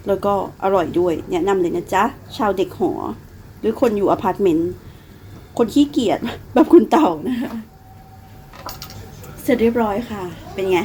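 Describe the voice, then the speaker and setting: A woman's voice: medium pitch, dark tone, a little hiss or hum, poor audio. A woman in her thirties from Thailand with a Northeastern Thai accent, chatting casually through a home cooking vlog and calling herself by her own nickname. She has a cough and some phlegm. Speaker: cooking vlogger.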